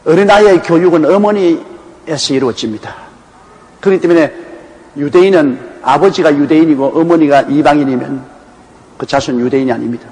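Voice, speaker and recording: Older pastor from Gyeongsang, higher-pitched. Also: male voice, normal speed, big-room sound, low-quality recording. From Gyeongsang, Korea. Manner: conversational preaching with folksy personal anecdotes; animated, emphatic delivery. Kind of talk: sermon with Bible exposition.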